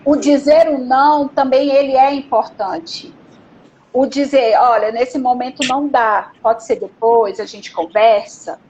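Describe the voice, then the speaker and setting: A woman's voice: sits high, fairly even intonation, unhurried, darkish tone, a little hiss or hum, rough recording. A woman guest, an educational psychologist, chatting casually and telling stories from her school work. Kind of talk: casual chat.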